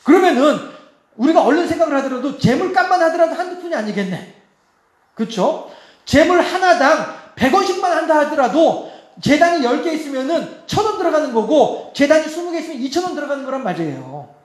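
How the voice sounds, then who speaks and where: High-voiced pastor preaching in an echoey church. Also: male voice, sing-song, fairly quick. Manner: chatty, laughing, asks the congregation rhetorical questions. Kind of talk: sermon. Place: church sanctuary.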